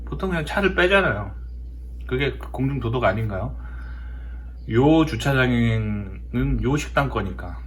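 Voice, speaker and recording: A man's voice: medium pitch, animated, unhurried, slight background noise. A man from South Korea talking casually in a storytelling monologue, emphatic and often repeating his words for effect. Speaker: host of a talk show.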